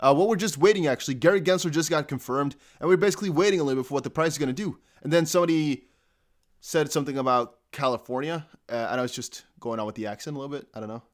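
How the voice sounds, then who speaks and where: Young man, from the Netherlands, casual livestream chat, rambling, slightly high voice. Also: very fast. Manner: rambling, laughs often, many fillers. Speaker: crypto livestream host. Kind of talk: casual live stream chat.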